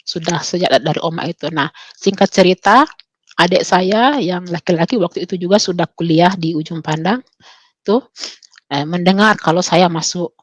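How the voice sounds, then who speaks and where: A young adult woman telling her personal conversion testimony, her voice climbing high and intense when she relives key moments. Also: moderate pace, no room sound. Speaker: testimony speaker.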